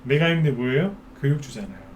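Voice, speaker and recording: An animated man of medium pitch hosts a stock market broadcast at a quick pace, with a little hiss or hum on the audio. As the expert host, he talks casually, peppers listeners with rhetorical questions, and often mimics worried investors.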